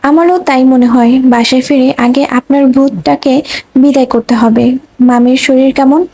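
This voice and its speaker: Brief: stern caring young man, firm scolding tone, high mellow delivery, read by a woman. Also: fairly even intonation, unhurried, rough recording. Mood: teasing. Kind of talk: audiobook reading.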